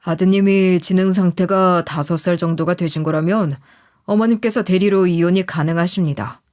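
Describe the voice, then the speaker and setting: A woman's voice: fairly low pitch, normal speed, a little mellow, lightly acted. A woman playing a lawyer who advises a client in an audio story, speaking in a formal, explanatory way. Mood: matter-of-fact.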